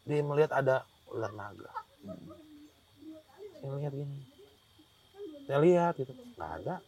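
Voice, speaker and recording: A man with a mid-range, slightly dark voice speaks animatedly at a normal pace. He's a hiker recounting his experience as a guest in a casual storytelling interview, rambling along with lots of restarts and acted-out quotes.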